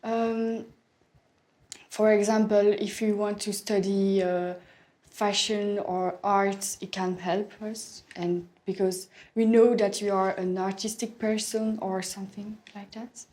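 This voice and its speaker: Slow, mellow young woman, hesitant. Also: medium pitch, level tone. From Belgium. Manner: hesitant, searching for words, non-native phrasing. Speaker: English speaking test candidate. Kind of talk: answering exam questions in simple sentences.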